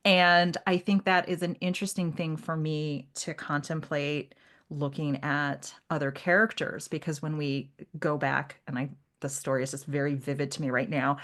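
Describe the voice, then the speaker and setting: A woman with a slightly low voice talks as a podcast co-host in a casual literary discussion. She is animated and conversational, often voicing imagined remarks as she explains her thoughts.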